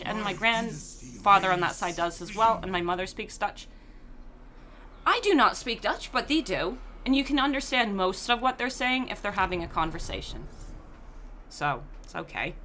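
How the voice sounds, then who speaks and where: A woman's voice: mid-range voice, pushed and bright, a little hiss or hum. A Swiss woman with a slight American-tinged accent, chatting casually while streaming a game and reading chat. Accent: slight American-influenced English. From Switzerland. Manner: chatty, laughs often, reads chat aloud.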